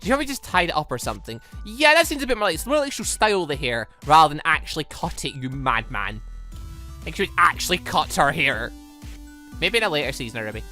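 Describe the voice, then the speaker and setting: A gaming host doing let's play commentary and reading game dialogue aloud, animated and rambling, with self-questioning asides. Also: medium pitch, fast talker. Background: game music.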